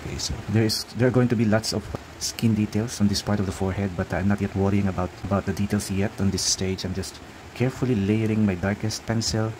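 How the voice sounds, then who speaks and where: A man with a Filipino accent talks through a drawing tutorial, pausing often with fillers and restarts. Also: lowish voice, fairly even intonation, darkish tone, slight background noise, rough recording. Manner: halting, many fillers and restarts. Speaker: art tutor. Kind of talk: real-time drawing tutorial narration.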